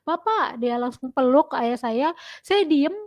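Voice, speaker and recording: Animated woman telling a personal story. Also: on the high side, a little fast, no room sound. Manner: animated, many fillers. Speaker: testimony guest. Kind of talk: personal testimony, casual storytelling.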